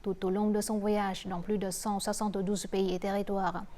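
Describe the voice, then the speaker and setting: A woman's voice: mid-range voice, flat delivery, moderate pace, warm tone. A woman presenting the news, reading a scripted introduction to a report.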